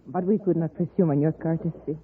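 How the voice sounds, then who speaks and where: A woman's voice: sits low, a little fast, slight background noise, close to an everyday voice. A woman playing a gracious, refined Hispanic wife in an old radio Western, courteous and formal in manner. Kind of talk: 1950s radio drama acting. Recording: tinny old radio recording.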